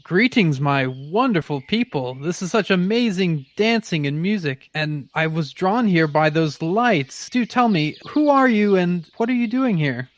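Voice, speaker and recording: A man's voice: high voice, animated, a little slow, hardly any pauses. A man playing a confident, cheerful ranger in a tabletop role-playing game, with flowery, earnest phrasing. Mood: delighted greeting. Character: confident, cheerful male ranger, eager storytelling adventurer.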